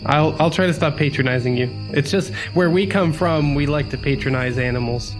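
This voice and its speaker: A man's voice: fairly high pitch, a little fast, over music, low-quality recording. A man playing a tabletop game, improvising casually in character with a hesitant, good-humored manner.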